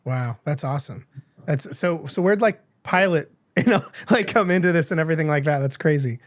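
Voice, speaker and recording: A man's voice: on the high side, fairly quick, no room sound, studio quality. Rambling, upbeat podcast host man. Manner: rambling, many fillers and restarts, enthusiastic. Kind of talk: podcast interview conversation.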